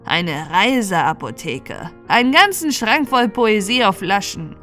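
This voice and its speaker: A woman voicing a boastful, chatty old bog witch who explains her wares in an animated, matter-of-fact way for a fairy tale. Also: medium pitch, measured pace, faint music behind. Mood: confiding.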